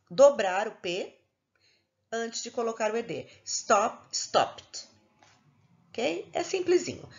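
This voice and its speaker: In a recorded lesson, a female English teacher with a voice on the high side patiently walks her students through things step by step, checking in with them along the way. The audio sounds dull.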